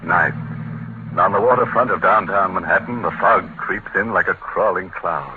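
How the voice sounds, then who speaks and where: A man's voice: low voice, moderate pace, slight background noise. A man hosting a 1940s radio horror show, with mock-sinister delivery and macabre jokes. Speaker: host and announcer. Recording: muffled 1940s radio broadcast with music.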